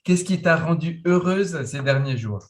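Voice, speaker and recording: A man's voice: fairly high pitch, expressive, unhurried. A man moderating an online round table over a video call, friendly and informal, speaking with some hesitation.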